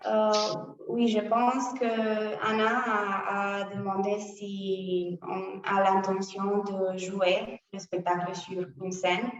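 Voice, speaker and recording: A woman gives careful, halting answers in French, which is not her first language. She talks slowly. She sounds distant, with heavy room echo. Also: mid-range voice, flat delivery, muffled recording. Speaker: theatre group representative answering questions.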